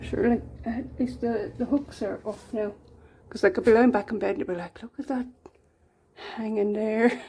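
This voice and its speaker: A woman with an Irish accent talks in a fairly high voice with ordinary pitch variation. Her moderate pace is broken by long, frequent pauses. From Ireland. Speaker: home vlogger. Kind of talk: casual vlog narration. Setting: at home. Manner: casual, chatty.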